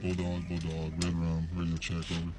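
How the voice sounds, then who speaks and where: A clipped soldier over a helmet radio. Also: male voice, deep voice, monotone, moderate pace, very noisy. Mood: businesslike. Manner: clipped military radio procedure. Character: terse male soldier on radio comms.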